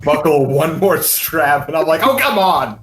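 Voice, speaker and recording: A man's voice: on the high side, expressive, unhurried, over music. A man chatting casually as a player in an improvised tabletop role-playing game.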